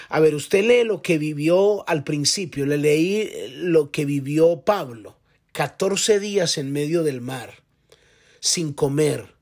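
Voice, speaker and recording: A man with a somewhat high, husky voice delivers a devotional sermon as a pastor. He preaches with passion and speaks straight to the listener in a personal, conversational way.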